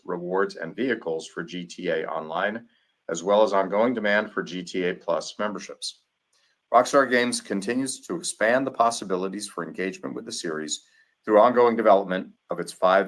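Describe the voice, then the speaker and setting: Male executive for a quarterly earnings call, low register, formal measured read of prepared corporate remarks. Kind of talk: scripted corporate earnings presentation.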